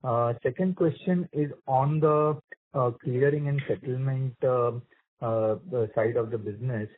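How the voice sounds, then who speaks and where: A man with an Indian accent, an analyst putting questions on a conference call, halting and often rephrasing. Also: medium pitch, no echo. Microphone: phone. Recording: dry, narrow phone line.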